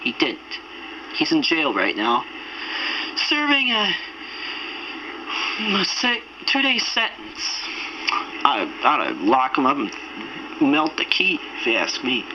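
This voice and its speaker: A man's voice: on the high side, wildly swooping pitch, slow pace, pauses often. A sixteen-year-old boy playing amateur radio host with goofy homemade show patter on an old cassette recorder. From Minnesota, United States. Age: 16, teenager. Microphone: portable cassette tape recorder. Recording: noisy lo-fi home cassette recording.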